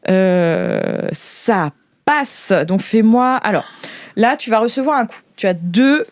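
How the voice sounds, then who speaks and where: A woman's voice: medium pitch, expressive, slow, a little mellow, no room sound, clean studio sound. A woman narrating an improvised tabletop game as game master, conversationally, with her own vocal sound effects. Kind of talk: improvised tabletop role-play narration and banter.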